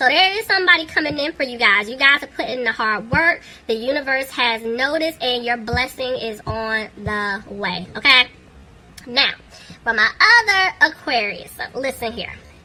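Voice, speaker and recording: A woman with a high pitch and lively intonation at a moderate pace, over noticeable background noise. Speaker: tarot reader. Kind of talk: tarot reading. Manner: casual, conversational.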